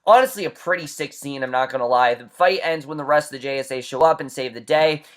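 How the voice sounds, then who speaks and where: A man talks through a TV episode recap in a loose, conversational way. He is chatty and leans on fillers and false starts as he goes. His voice sits at an ordinary middle pitch. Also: fast talker. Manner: chatty, with frequent fillers and restarts. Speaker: TV reviewer. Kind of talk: casual episode recap and review.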